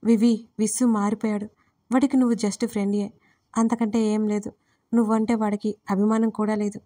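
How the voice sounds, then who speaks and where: A woman's voice: medium pitch, flat delivery, normal speed, mellow, lightly acted. A woman voicing a blunt, protective older sister who speaks firmly and scolds. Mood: stern. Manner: firm and scolding.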